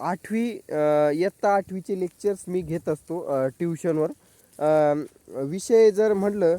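A man's high-pitched voice with a dark, mellow tone and ordinary pitch variation, in a dry, close sound with no echo. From Maharashtra, Vaijapur (Chhatrapati Sambhajinagar). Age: young. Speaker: goat farmer and vlogger. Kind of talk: vlog to camera. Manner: animated.

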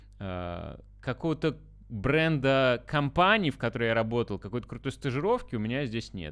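With a plain, everyday voice, a man talks at a moderate pace with lively intonation. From Russia. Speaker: YouTuber, management consultant; education YouTuber. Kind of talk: tutorial. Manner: casual, with filler sounds. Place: home room. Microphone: studio mic.

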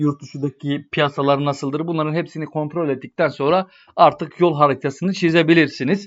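The delivery is fairly quick and monotone, flat in intonation, with hardly any pauses. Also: man, fairly high pitch for a man. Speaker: stock market commentator. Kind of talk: market analysis video.

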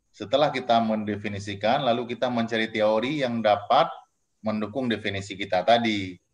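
Talking at a fairly quick pace, a man with a fairly low pitch uses ordinary pitch variation. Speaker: moderator, university lecturer. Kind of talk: moderating a webinar. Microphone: video call.

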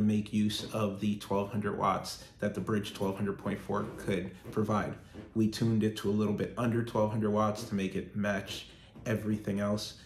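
A man at a moderate pace, fairly low in pitch, monotone and flat in intonation, with audible room echo and light background noise. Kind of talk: casual explanation to camera. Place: office. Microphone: phone near.

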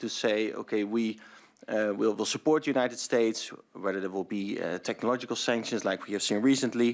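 The speaker keeps a moderate pace and fairly even intonation against a quiet background. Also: man. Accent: Dutch. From Netherlands. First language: Dutch. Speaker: member of parliament. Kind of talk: questioning at parliamentary hearing; committee hearing questions. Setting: parliamentary committee room. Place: meeting room. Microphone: podium.

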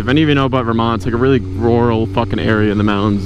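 A man at a very fast pace, ordinary pitch variation, dry sound with no echo, and noticeable background noise. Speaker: motorcycle rider vlogger. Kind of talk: casual vlog chat. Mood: excited, awed. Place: motorbike. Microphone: helmet.

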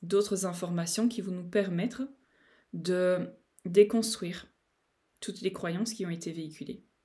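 Against a quiet background, a woman speaks in a dark, mellow tone. She sounds somewhat breathy. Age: 30s. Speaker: spiritual content creator; spiritual guidance creator. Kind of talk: monologue video talk; casual talk to camera on spiritual topics. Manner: hesitant, many fillers. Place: home room. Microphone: phone near.

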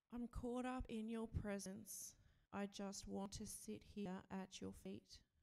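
A woman's dark, mellow tone at a fairly slow pace, monotone and flat in intonation, over a quiet background. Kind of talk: short talk then reading song lyrics aloud. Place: church. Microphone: podium.

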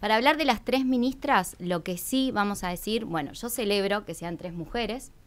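With an unremarkable speaking voice, a woman talks at a moderate pace with hardly any pauses, her fairly high pitch rising and falling in lively intonation. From Argentina. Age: 30s. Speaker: political commentator. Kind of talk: radio interview. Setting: radio studio. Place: studio. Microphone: studio mic.

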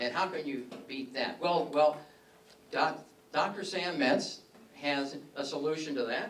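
A man talks at a fairly slow pace with fairly high pitch, ordinary pitch variation, and long, frequent pauses. Light background noise and audible room echo sit behind him. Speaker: health care advocacy organizer. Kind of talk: workshop talk. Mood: animated, anecdotal. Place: meeting room.

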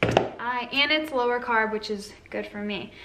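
A woman talks with ordinary pitch variation. Light background noise is audible. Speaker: lifestyle vlogger. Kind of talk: casual vlog chat. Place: kitchen. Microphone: phone near.

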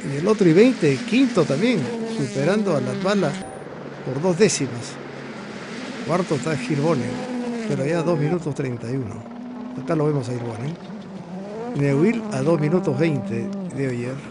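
A man's fairly high voice with lively intonation, a fairly slow pace, long and frequent pauses, and noticeable background noise. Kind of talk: sports commentary over race footage. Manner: exclamatory, colloquial, calls out times and names.

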